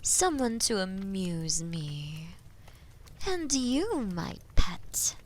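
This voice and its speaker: Haughty she-dragon, voiced by a woman, fantasy audio drama: drawn-out taunting delivery, breathy whispers, mid pitch, faint background noise. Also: exaggerated voice. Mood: possessive. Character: haughty, menacing female dragon toying with captive knight. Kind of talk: slow, theatrical roleplay monologue in medieval fantasy audio drama.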